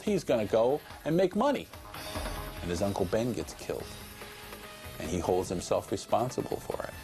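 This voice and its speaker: A man giving measured, explanatory commentary in a documentary interview. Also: fairly low pitch.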